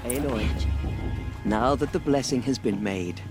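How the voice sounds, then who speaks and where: An actress playing an elderly tribal matriarch in a video game, speaking formally, deliberately and gently. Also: female voice, a bass voice, loud music behind the voice. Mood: measured, careful. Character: elderly tribal matriarch, kindly, solemn and measured. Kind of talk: solemn video game acting.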